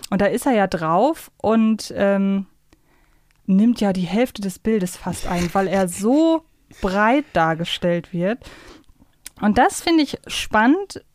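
A woman's voice: mid-range voice, animated, slow, darkish tone, no room sound. A woman talking casually and reflectively as a podcast co-host. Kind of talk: casual podcast discussion of an audio drama series.

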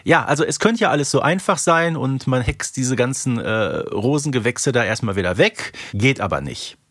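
A man's voice: mid-range voice, expressive, normal speed, fairly bright tone, no room sound, clean studio sound. A man co-hosting a podcast in casual, colloquial conversation, often checking for agreement with tag questions. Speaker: podcast co-host. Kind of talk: casual chat reviewing an audio drama.

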